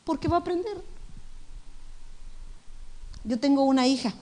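A middle-aged woman pastor, preaching a lively sermon straight to the congregation. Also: high voice, unhurried.

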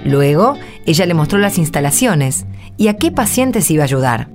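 A woman's voice: low-pitched, sing-song, moderate pace, over loud music. A woman with an Argentine accent presenting and narrating a scripted radio drama.

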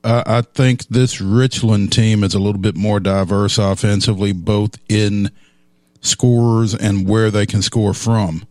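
A man co-hosting a local sports radio show, easygoing and unhurried, with plenty of ums. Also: fairly low pitch, fairly even intonation, a little mellow, no room sound, studio quality. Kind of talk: casual sports talk radio.

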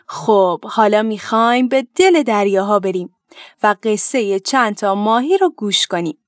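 A woman hosting a children's program, gently narrating a storybook tale and speaking to parents. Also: medium pitch, expressive, no room sound.

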